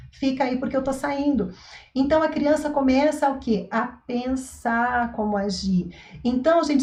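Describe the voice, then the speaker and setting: A woman, a mother and parenting coach, explaining to an online audience in an expressive way, often acting out scenes. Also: high-pitched. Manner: expressive, acts out scenes, tags sentences with "tá?" and "né?". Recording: echoey room.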